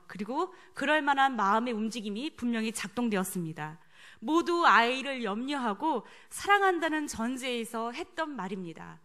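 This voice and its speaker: A woman's voice: sits high, pushed and bright. A middle-aged woman preaching a sermon. She tells a personal story and asks the congregation questions.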